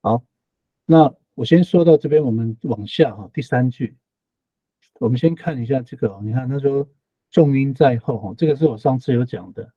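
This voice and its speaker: A man's voice: mid-range voice, normal speed, husky, no room sound, phone-quality sound. A man teaching an online language class, explaining patiently, repeating phrases and ending sentences with tag particles.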